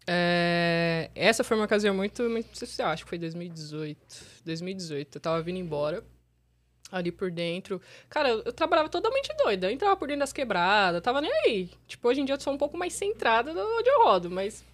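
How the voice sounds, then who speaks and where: A woman, a rideshare driver telling stories in a slangy, animated way on a casual podcast. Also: medium pitch. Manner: animated, slangy, quick storyteller.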